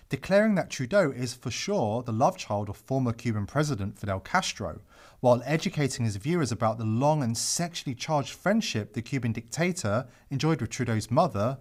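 Man narrating with a lively, swinging pitch. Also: a little fast. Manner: dramatic, with sarcastic asides. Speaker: podcast host. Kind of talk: scripted commentary narration.

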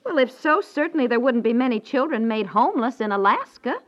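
A woman's voice: fairly high pitch, animated, fairly quick, natural voice. An American woman playing a sweet but nagging wife in a naturalistic 1950s radio comedy, coaxing and hesitant, full of endearments. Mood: annoyed, reproachful. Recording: dull vintage 1950s radio recording.

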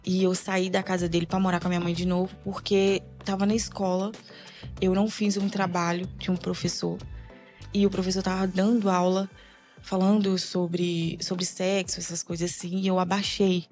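A woman with a Brazilian Portuguese accent, a podcast guest telling a personal faith testimony in a halting, soft-spoken, emotional way. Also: lowish voice, flat delivery, faint music behind.

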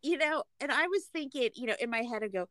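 A woman's voice: high-pitched, animated, fast, a bit bright, no echo, clean studio sound. A woman co-hosting a podcast, chatting casually and animatedly about a TV show, giggly and prone to acting out quotes. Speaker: podcast co-host. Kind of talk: casual TV recap chat.

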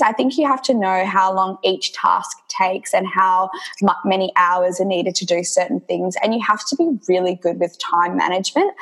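A woman's voice: medium pitch, a bit bright, low-quality recording. A young woman from Indonesia, a health coach, talking casually in an interview and filling her speech with lots of ums and "you know".

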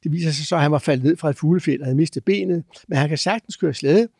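A man telling adventure stories as a guest, lively but halting, with many filler sounds. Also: on the high side, gravelly, no room sound, clean studio sound. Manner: lively, acts out chants and sounds. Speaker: guest explorer. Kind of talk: animated storytelling.

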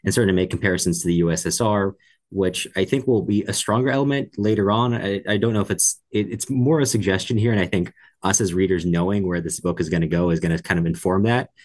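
A man's voice: low-pitched, quick pace, a little mellow. A man co-hosting a podcast book discussion, going through comments and offering his thoughts. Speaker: podcast co-host.

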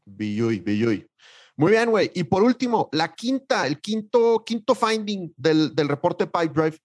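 A man with a Mexican accent co-hosting a business podcast, talking in an animated, slangy, emphatic way. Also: sits high, normal speed. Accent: Mexican Spanish. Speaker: podcast co-host. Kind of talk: casual podcast chat.

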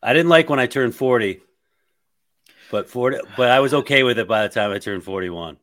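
A man's voice: medium pitch, fairly quick, fairly bright tone. A man in his late forties hosting a podcast interview, encouraging his guest and laughing easily. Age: 40s. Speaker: podcast host. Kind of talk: casual interview chat.

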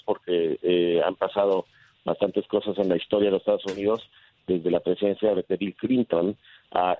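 A male immigration lawyer answering interview questions, halting with many fillers and restarts. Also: fairly low pitch. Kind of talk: casual radio interview answers. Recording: tinny phone line.

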